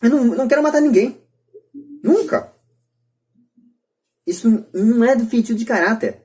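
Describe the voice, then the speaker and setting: A woman's voice: fairly high pitch, expressive, moderate pace, warm tone. A Brazilian woman giving her opinions in a podcast discussion, emphatic and repeating her points. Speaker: podcast speaker.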